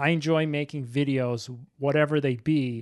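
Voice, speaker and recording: His pitch fairly high, a man speaks with ordinary pitch variation. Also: quiet background. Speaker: podcast host. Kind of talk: casual chat.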